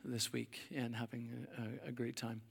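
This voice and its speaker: A middle-aged man from Canada, a pastor with a hoarse voice, preaching a sermon in a casual, rambling way with many fillers and restarts. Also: medium pitch, little pitch movement, moderate pace. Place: church hall. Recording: long hall reverb.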